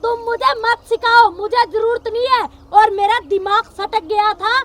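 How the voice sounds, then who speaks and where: A woman's voice: extremely high pitch, steady tone, unhurried, fairly bright tone. A woman playing a haughty older mother-in-law, the village headwoman, who scolds and boasts. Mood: domineering.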